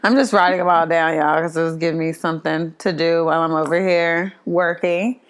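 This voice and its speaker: A woman's voice: on the low side, steady tone, brisk, clear, resonant tone. A woman with an African American accent hosting a podcast in a casual, playful, slangy way. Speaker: podcast host. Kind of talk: casual chat.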